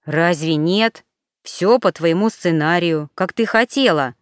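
A woman reader voicing a tired, bewildered young man who keeps calmly pressing for answers. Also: unhurried, clear, resonant tone, no echo, studio quality, natural voice. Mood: weary. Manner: tired, low-key, insistent questioning. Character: weary bewildered young man, trying to stay calm.

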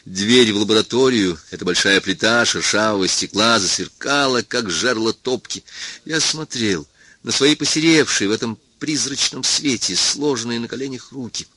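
Male audiobook reader, bright crisp tone, dry close recording, tense dramatic first-person narration. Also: medium pitch, moderate pace, no echo.

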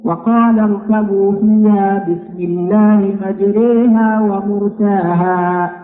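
A man teaching a recorded lesson on Quran recitation rules, explaining slowly, repeating key phrases and sounding out example words. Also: high voice. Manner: slow, deliberate explaining, repeating key phrases and demonstrating pronunciations. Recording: echoey hall over a tinny phone-like line.

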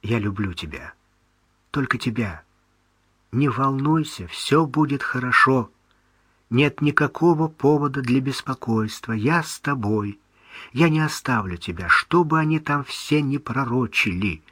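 Male narrator as a wry affectionate son, bright clear voice, unhurried, dry sound. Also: mid-range voice, animated, no echo. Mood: tender.

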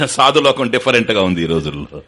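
An older man gives a spiritual discourse, his pitch swinging widely from phrase to phrase. His tone is bright and forceful. He explains patiently and keeps checking with his listeners through questions. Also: very animated, brisk. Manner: explanatory, asks the audience questions, mixes in English terms. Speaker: spiritual teacher. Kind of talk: Vedanta discourse to an audience.

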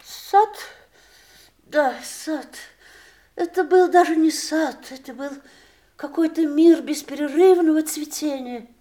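Актриса играет усталую, горько-ироничную жену у постели умирающего мужа, сдержанно и задумчиво. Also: female voice, sits high, slow pace, mellow. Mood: wistful. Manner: restrained, wistful, sharply ironic. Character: aging wife at her husband's deathbed, weary and bitter. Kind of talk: 1980s stage radio play acting.

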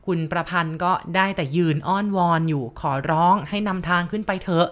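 A woman's voice: lowish voice, fairly even intonation, a little fast. A woman narrating listener-sent ghost stories, polite and talking straight to her audience. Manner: polite, addresses listeners directly.

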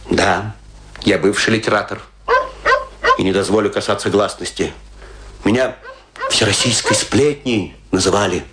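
An actor playing a boastful, aggrieved, tipsy provincial stage player, declaiming with grandiose self-pity and dramatic pauses in a radio play. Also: male voice, fairly low pitch, fairly bright tone. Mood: bitter, rueful. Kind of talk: theatrical radio play monologue.

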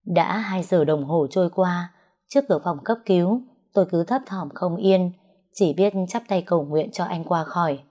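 A woman narrates a dramatic story at an even pace. Her voice sits low and sounds warm and relaxed, and she reads the characters' dialogue herself with small shifts in tone. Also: normal speed.

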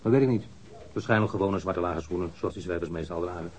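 Hesitant male witness for radio play, acted by a man: somewhat low voice, halting colloquial answers, offhand under questioning. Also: darkish tone, close to an everyday voice. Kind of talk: radio drama acting.

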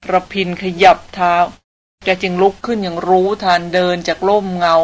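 A woman reading a novel aloud as an audiobook narrator, in an even, steady storytelling manner. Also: on the low side.

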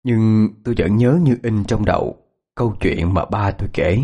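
Low-voiced male ghost storyteller. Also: mellow, breathy edge. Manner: measured, storytelling.

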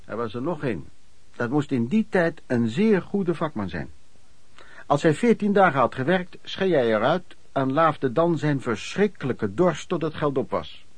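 A man's voice: fairly high pitch, sing-song, a little slow, breathy edge, no echo, full character voice. An actor playing an old man who chattily recalls his drinking and lodging days in a radio play, repeating himself for emphasis. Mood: earnest, pitying. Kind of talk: radio drama narration, reminiscing.

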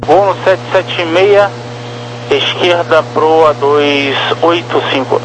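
A man's voice: fairly high pitch, slow. Noisy radio, Brazilian male air traffic controller. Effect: aviation radio. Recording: noisy humming aviation radio channel.

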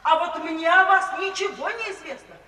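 An actress playing a firm, clear-headed young woman who answers her mother coolly and defiantly, in a 1950s radio play. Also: very high-pitched, moderate pace, pushed and bright, slight background noise. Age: young adult. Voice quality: cool, firm, cutting. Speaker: daughter, college graduate. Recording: echoey distant old radio play recording.

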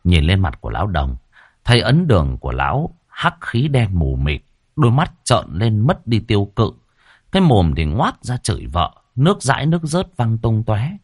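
Deep, husky male horror storyteller. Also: huge pitch swings, normal speed, no room sound, studio quality. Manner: dramatic, vivid storytelling.

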